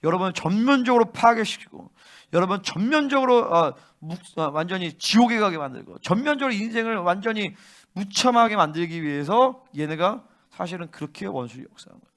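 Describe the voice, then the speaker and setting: A male pastor preaching a fervent sermon and often pressing his listeners with quick questions. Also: high-pitched, lively intonation, fairly bright tone. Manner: fervent, keeps prompting listeners with "응?".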